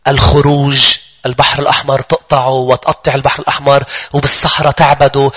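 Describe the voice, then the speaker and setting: A man's voice: on the high side, fairly bright tone, slightly rough. A man preaching a sermon with a Lebanese accent, emphatic and urgent as he addresses his congregation. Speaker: pastor.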